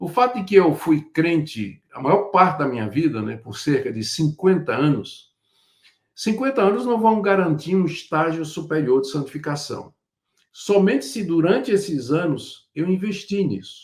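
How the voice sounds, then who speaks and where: His pitch is high for a man and swings very widely, while his loudness rises and falls sharply. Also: fairly slow pace. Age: 70s. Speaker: pastor and Bible teacher. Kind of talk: live-stream Bible teaching. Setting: Instagram live stream. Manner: conversational, with hesitations.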